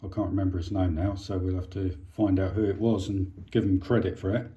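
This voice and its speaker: Mellow, low-voiced British man thinking aloud. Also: level tone, fairly quick, lo-fi sound. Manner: informal, hesitant, thinking aloud while working. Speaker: hobbyist presenter of an electronics repair. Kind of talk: casual hands-on repair demonstration.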